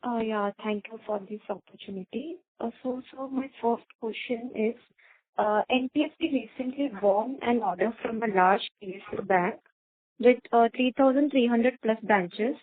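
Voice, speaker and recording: Higher-voiced woman on a tinny phone line. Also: normal speed, slightly rough, dry recording. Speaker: analyst asking questions. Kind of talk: earnings call question. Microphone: conference phone call.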